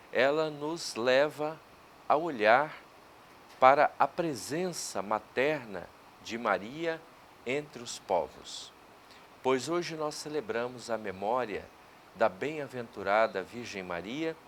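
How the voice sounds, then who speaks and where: A man with a Brazilian Portuguese accent, a priest reading the gospel and giving a homily in a slow, measured liturgical way. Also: mid-range voice, a bit bright, slight background noise.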